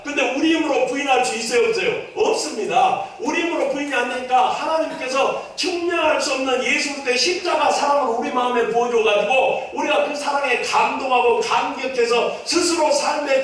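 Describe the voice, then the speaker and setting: A man with a Jeolla Korean accent preaches an emphatic sermon in a very high voice. He repeats his key points and draws amens from the congregation. His voice comes from well away from the mic and rings through a very echoey church hall. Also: fairly bright tone, distant mic. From Jeolla, South Korea. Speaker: pastor. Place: church sanctuary.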